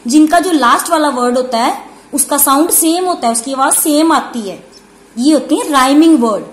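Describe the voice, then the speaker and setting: A woman teaching young children, who explains slowly, asks questions and repeats and stresses key words. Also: sits high. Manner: calls the pupils 'beta' and asks questions before answering them. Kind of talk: online lesson for young children. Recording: echoey room.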